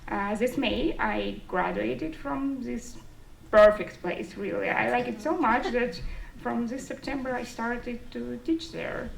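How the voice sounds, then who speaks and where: A woman's voice: fairly high pitch, slow pace, creaky. A woman, giving a public speech in phrasing to an audience. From Estonia. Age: 30s. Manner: non-native English phrasing. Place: indoor forum room with an audience. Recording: distant mic, roomy echo, faint noise.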